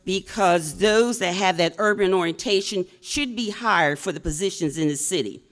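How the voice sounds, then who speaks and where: Loud, insistent woman at public comment. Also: on the low side, moderate pace. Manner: forceful, insistent, pointed questioning. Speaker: public commenter at a school board meeting. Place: school meeting hall.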